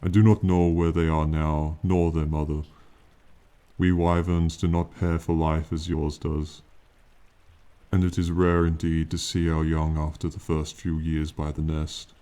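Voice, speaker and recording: A man playing an ancient, proud male dragon in a fantasy ASMR roleplay, speaking in slow, solemn, archaic phrases with aloof condescension, as if to a mere mortal. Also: very deep voice, flat delivery, mellow, clean tone. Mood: detached, solemn. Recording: faint rain noise behind. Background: rainfall ambience.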